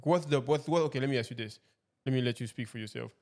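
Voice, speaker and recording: A man's voice: mid-range voice, fast, darkish tone. A man hosting a casual podcast interview, asking long, rambling questions with restarts. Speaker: podcast host.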